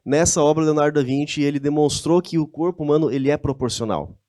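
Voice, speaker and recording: A man's voice: on the high side, fast talker, mellow, no echo, studio quality. A man with a Brazilian Portuguese accent giving a conversational lecture, often asking his audience rhetorical questions. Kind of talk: church-hosted lecture with slides.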